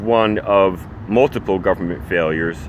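A man speaks at a fairly low pitch with ordinary pitch variation. There is noticeable background noise, and the sound is dry with no echo. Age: 40s. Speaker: homeless advocate; activist commentator. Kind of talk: monologue commentary. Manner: halting, many fillers. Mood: serious, concerned. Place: street. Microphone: phone near.

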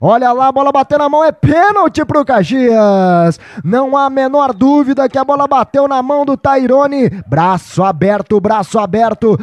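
A man shouts with lively intonation and very even loudness, going fairly slowly with hardly any pauses. The sound is dry with no echo, and the background is quiet. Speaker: radio sports commentator. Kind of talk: live football commentary, play-by-play. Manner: animated, excitable, shouting goal calls.

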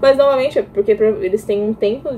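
Light background noise accompanies a woman talking at a fairly quick pace. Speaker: series reviewer. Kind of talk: casual review chat. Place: home room. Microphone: webcam.

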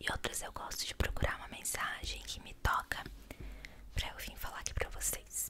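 Whispering, a woman speaks at a moderate pace. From Brazil. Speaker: ASMR creator. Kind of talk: ASMR Bible reading and devotional. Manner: soft-spoken, whispering. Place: home room. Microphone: studio mic.

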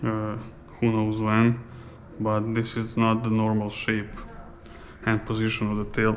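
Light background noise sits behind a man with a Serbian accent and fairly low pitch. He talks at a fairly slow pace in monotone, flat intonation, with long, frequent pauses. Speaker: dog groomer. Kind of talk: grooming tutorial video. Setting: grooming salon. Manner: casual. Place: shop. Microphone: camera far.

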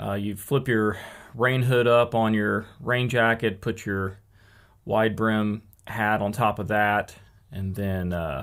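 A man's fairly low voice with ordinary pitch variation against a quiet background. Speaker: outdoor trip gear instructor. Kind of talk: tutorial. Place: studio.

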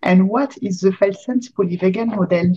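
A woman's somewhat breathy voice in a French accent, at a fairly slow pace. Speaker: coach and interviewer. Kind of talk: interview questions. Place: home room.

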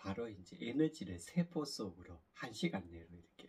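At a moderate pace, a man speaks with very wide pitch swings and a somewhat breathy sound. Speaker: fasting practitioner. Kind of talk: casual chat. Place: home room.

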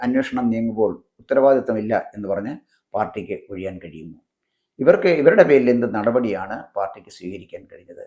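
Very wide pitch swings and vocal fry from a man. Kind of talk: political commentary monologue. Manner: halting, phrase-by-phrase delivery.

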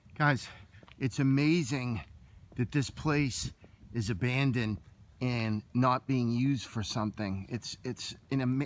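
Fairly slow delivery with ordinary pitch variation. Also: man. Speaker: urban explorer vlogger. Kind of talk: casual vlog chat. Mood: amazed, enthusiastic. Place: open country. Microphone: phone near.

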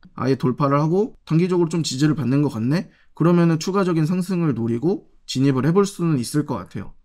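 Lively in intonation and fairly high in pitch, a man speaks at a very fast pace with hardly any pauses over a quiet background. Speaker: crypto market analyst. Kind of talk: chart analysis commentary. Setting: studio live stream. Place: studio. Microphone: studio mic.

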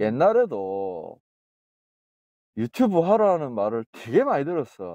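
Against a quiet background, a man with a dark, mellow tone and a Busan accent speaks at a very slow pace with very wide pitch swings. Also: dry sound with no echo. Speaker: caller talking with old friend. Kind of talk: casual phone call with a friend. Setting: phone line. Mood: wry, joking about being gloomy. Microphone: phone line.

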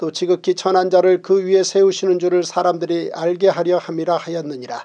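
A man with a dark, mellow tone and a high pitch talks fairly quickly against a quiet background. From South Korea. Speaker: Bible reading teacher. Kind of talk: reading aloud. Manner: formal. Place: office.

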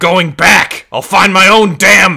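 A man puts on a character voice that is raspy and high-pitched, speaking at a fairly slow pace. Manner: shouted through gritted teeth.

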